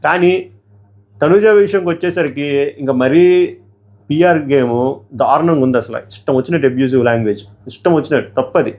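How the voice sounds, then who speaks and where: A young man with a slightly high voice, hoarse from shouting, argues his points hotly. He fires questions straight at his viewers and presses his opinions hard. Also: moderate pace, long pauses. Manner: heated, argumentative, asks viewers questions. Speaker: show reviewer. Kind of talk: opinionated episode review.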